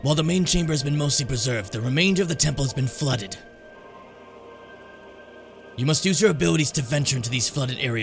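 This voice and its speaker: A man uses a put-on character voice at a medium pitch, sounding strained. He talks at a very fast pace over clear background music. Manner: strained, effortful.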